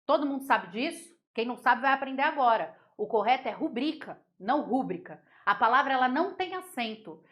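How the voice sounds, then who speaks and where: In a high, slightly bright voice, a woman leads a Portuguese grammar class. She jokes and laughs about typical mispronunciations, slowly repeating each word for practice.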